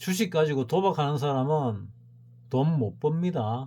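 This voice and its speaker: With a dark, mellow tone and a somewhat breathy quality, a man speaks at a fairly high pitch and a very slow pace, his intonation lively. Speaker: stock market YouTuber. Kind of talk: casual investment talk monologue.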